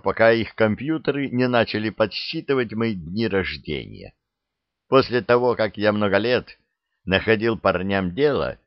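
A man's voice: on the low side, no echo, highs cut off. A man reading the part of an older veteran soldier with a dry, blunt, self-deprecating way of talking. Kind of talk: audiobook character reading.

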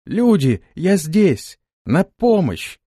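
A man's voice: medium pitch, fairly quick, warm tone, dry recording, clean studio sound, natural voice. A man voicing a terrified young woman stuck in a swamp, crying for help. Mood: shouting.

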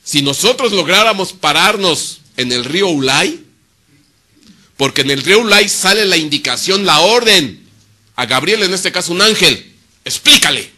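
Guy preaching, kinda high pitched, asks questions and answers himself, drops real quiet sometimes. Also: lively intonation, moderate pace. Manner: swings between loud emphasis and quiet, low asides. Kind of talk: sermon.

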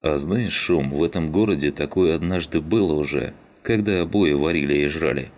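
Man as a sullen grumbler, deep and gruff, audiobook. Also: moderate pace, a little mellow. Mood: grumbling.

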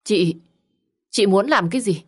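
A woman's voice: mid-range voice, animated, unhurried, husky, pitched above the performer's own voice. A woman voicing a young woman who speaks in a tense, insistent way. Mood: alarmed. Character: young woman, wronged and indignant.

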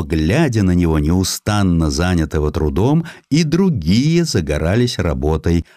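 A low-pitched man reads literary history aloud. His intonation moves widely and expressively while the delivery stays measured. The recording is dry and close, with very little room sound. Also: darkish tone, dry recording. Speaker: audiobook narrator. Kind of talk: scripted literary narration of a historical essay.

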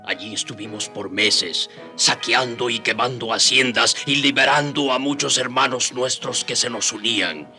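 A man's voice: medium pitch, moderate pace, hardly any pauses, music in the background, close to an everyday voice. An actor playing a brave indigenous rebel leader who narrates his war in an earnest, dramatic radio-novel style. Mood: proud, defiant.

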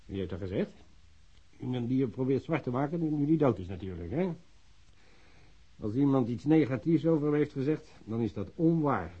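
An actor playing an older widowed policeman in a radio drama, lonely, curt and stubbornly loyal, with a husky voice. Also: medium pitch, expressive, fairly quick. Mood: defensive, indignant. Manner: curt, defensive, stonewalling. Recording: dull, muffled old radio recording.

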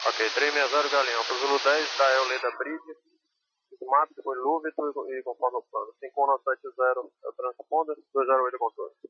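Brazilian male pilot on the aircraft radio, mid pitch, terse procedural readbacks, muffled band with loud static. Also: steady tone, a little fast. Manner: terse, procedural, number-heavy. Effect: pilot over the aircraft radio. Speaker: airline pilot. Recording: narrow crackly radio with static.

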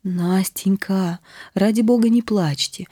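A woman voicing a shy, earnest young man who gently tries to comfort and persuade. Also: medium pitch, slow, breathy edge, no echo, clean studio sound. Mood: coaxing. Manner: timid, coaxing, earnest. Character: timid young man, dreamy and eager to help. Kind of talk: audiobook reading.

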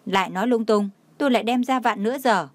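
A woman voicing a calm young woman who speaks flatly and sternly, in a dry recording. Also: on the high side, fast, no room sound, lightly acted. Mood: cool.

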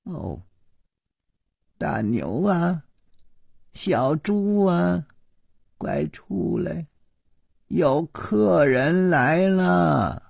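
A man's voice: mid-range voice, sing-song, slow pace, creaky, mellow, husky, no room sound, clean studio sound, voice pushed up, heavily acted. A man voicing a fretful white-haired old servant woman, breathless and fussing. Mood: coaxing.

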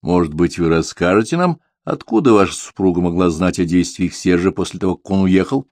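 Man voicing a cool detective, blunt, measured, deep voice. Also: expressive, darkish tone, dry recording, clean studio sound. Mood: probing.

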